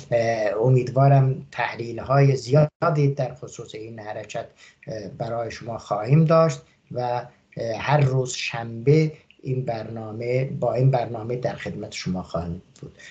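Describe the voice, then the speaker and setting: Somewhat breathy and dark, mellow in tone, a man with an Azerbaijani accent talks at a fairly slow pace. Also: medium pitch for a man, ordinary pitch variation. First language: Azerbaijani (speaking Persian). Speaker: talk show host. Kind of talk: show sign-off. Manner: hesitant, many fillers.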